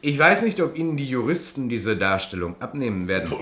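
A man playing an authoritative, controlled police commissioner in a German radio crime play, speaking deliberately as he explains and questions. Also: medium pitch, big pitch swings, a crowd in the background, natural voice. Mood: questioning, brisk. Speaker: police detective.

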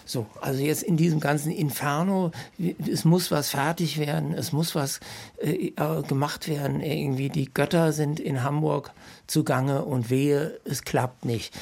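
A middle-aged or older man, a musician recalling past work spontaneously, halting and searching for words with emphatic repetitions, in a gravelly, husky voice. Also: fairly high pitch, a little mellow. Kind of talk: spontaneous reminiscence.

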